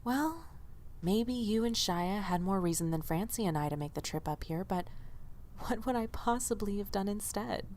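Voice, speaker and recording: In an audio drama dialogue, a woman plays an earnest, loyal young diner waitress, speaking expressively and a bit hesitantly in a reassuring mood. Her mid-range voice is slightly mellow and close to everyday speech, at normal speed with a little background noise.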